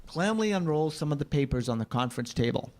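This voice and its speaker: A man serves as narrator at a staged reading, reading scripted action lines. His voice sits a little high for a man. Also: lively intonation, fast talker, a little mellow.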